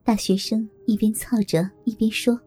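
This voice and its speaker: A woman narrating a first-person audio story in a slow, soft-spoken way. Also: fairly high pitch, steady tone, husky, soft background music.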